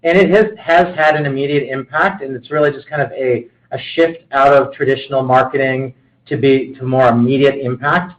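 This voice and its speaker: A man's voice: medium pitch, fairly even intonation, a little fast. A man speaking as a company executive, explaining business matters on a conference call. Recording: dull conference call audio.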